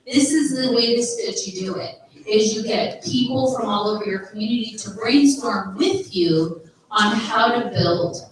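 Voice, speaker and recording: A woman's voice: a little high, a bit bright. A woman facilitating a live workshop, upbeat and encouraging, repeating instructions to the crowd. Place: large conference room. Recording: echoey room, voice from far off.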